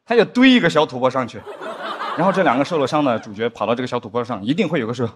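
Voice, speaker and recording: A young adult man performing a stand-up comedy set on a studio stage, animated, now and then acting out stiff drama lines in a lower voice. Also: racing, background noise. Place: studio stage with live audience. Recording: studio stage with audience laughter. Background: audience laughter.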